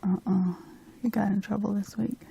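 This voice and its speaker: A woman's voice: mid-range voice, level tone, normal speed, vocal fry, mellow, breathy edge. A woman hosting a casual painting tutorial, chatting informally and thinking aloud as she works. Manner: giggly, informal, thinking aloud while working. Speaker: host, painting instructor.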